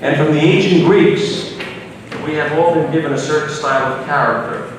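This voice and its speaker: A middle-aged man giving an earnest, measured prepared speech. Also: on the high side. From United States. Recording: echoey hall from far off, noisy.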